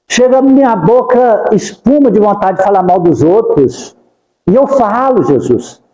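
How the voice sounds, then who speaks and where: A man's voice: high voice, mellow, roomy sound, long reverb tail, poor audio. A man giving a devotional talk at a spiritist center, speaking fervent, pleading prayers and repeating the name of Jesus. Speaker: spiritist lecturer.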